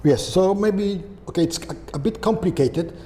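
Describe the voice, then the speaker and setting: An older man with a Polish accent, answering interview questions in a halting way and often checking in with "okay?" or "right?". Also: high voice, warm tone. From Poland. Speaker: guest. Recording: echoey room with long reverb and faint hiss.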